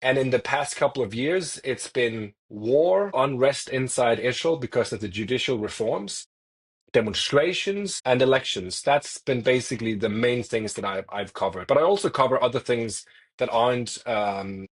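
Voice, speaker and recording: Man, 30s, from Denmark, husky mid-pitched voice, journalist guest who thinks aloud and restarts phrases. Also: lively intonation, moderate pace. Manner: thoughtful, frequent restarts, repeats words while searching for phrasing. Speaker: freelance journalist, podcast guest. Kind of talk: conversational interview answers.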